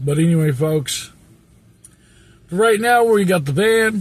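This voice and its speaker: Somewhat breathy, a man speaks in a dry sound with no echo. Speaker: van life vlogger. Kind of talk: casual vlog chat. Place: car. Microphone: phone near.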